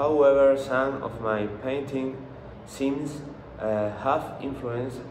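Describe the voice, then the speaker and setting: A man with a strong Andalusian accent and ordinary pitch variation, over noticeable background noise. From Andalusia, Spain. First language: Spanish. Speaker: painter. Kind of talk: artist talk, presentation of own work. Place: workshop. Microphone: webcam.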